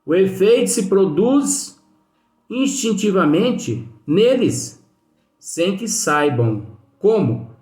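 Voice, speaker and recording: A high, sing-song male voice with a darkish tone moves slowly through a spiritist study lesson. He keeps it chatty, telling anecdotes and often closing sentences with questions to his listeners. There is echo in the room and faint music in the background.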